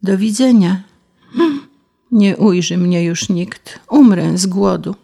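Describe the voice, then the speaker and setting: A woman's voice: mid-range voice, slow pace, gravelly, dark tone, breathy edge, exaggerated voice. A woman voicing a weak, starving male grasshopper who begs for help in a plaintive way. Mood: pleading.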